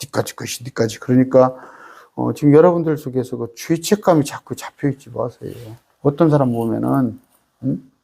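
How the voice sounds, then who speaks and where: A man's voice: medium pitch, moderate pace, creaky, dark tone, husky. A male pastor with a Jeolla accent, preaching an emphatic, folksy Bible study sermon full of rhetorical questions. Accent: Jeolla Korean.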